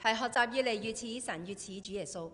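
A woman's voice: a little high, quick pace, a bit bright. A woman with a Cantonese accent who interprets a sermon phrase by phrase, right after the preacher. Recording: long reverb of a church hall.

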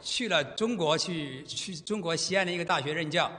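A middle-aged man preaching in a church hall, his bright, pressing voice trailing off into a long reverb. He speaks fast, in short bursts, then pauses for his interpreter. His pitch sits a little high. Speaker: guest preacher. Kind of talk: sermon in Mandarin with live interpretation.

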